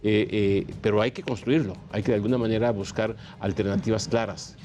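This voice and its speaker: A man speaking as a guest on a political panel, halting and full of fillers. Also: lowish voice, fairly even intonation, darkish tone, a little hiss or hum. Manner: hesitant, many fillers.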